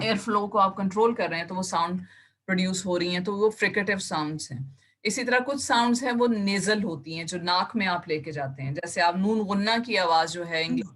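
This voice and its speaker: A woman's voice: medium pitch, a bit bright. A woman teacher giving an online class, explaining terms step by step and mixing English words into her Urdu. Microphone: computer mic on a video call.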